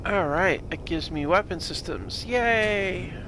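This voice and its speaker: A man's voice: sits high, expressive, slow, background noise. A congested man with a nasal sound, casually thinking aloud and muttering as he plays a game. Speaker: let's play gamer. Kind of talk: casual gameplay commentary.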